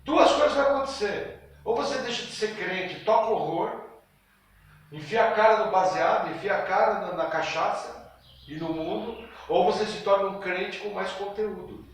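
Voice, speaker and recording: A man's voice: high voice, moderate pace, slight background noise. A man teaching a Bible class in a conversational way, asking the class questions and acting out little scenes. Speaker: Bible school teacher and preacher. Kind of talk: Sunday school teaching with class discussion. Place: church hall. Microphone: distant room mic. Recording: very echoey hall, voice from far off.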